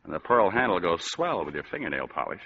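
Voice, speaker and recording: An actor playing a wisecracking hard-boiled private eye in an old-time radio drama, dry and sardonic. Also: male voice, deep voice, very animated, fast talker, gravelly, slight background noise, full character voice. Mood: wry. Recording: dull old radio broadcast.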